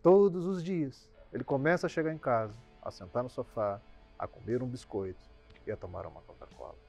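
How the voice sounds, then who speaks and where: A Brazilian man, a doctor, explaining habits in an emphatic talk that swings from loud bursts to quiet endings. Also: medium pitch, fairly quick, gravelly, faint music behind. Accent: Brazilian Portuguese.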